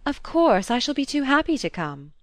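A woman's voice: high-pitched, big pitch swings, moderate pace, no echo, voice pushed up. A sensitive young countess, voiced by a woman reader, wistful and emotional, her phrases rising a touch above the narration. A dry, close audiobook sound. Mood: delighted.

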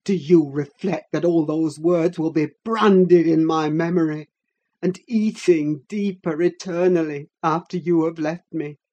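A woman voicing a desperate, anguished man who speaks slowly and savagely. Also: deep voice, fairly even intonation, warm tone. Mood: despair. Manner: slow, despairing, savage.

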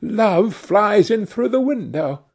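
A man's voice: high voice, animated, slow, creaky, voice pushed up, heavily acted. A man reading aloud, voicing an eager, dreamy young woman in love with a breathless, gushing manner. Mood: rapturous.

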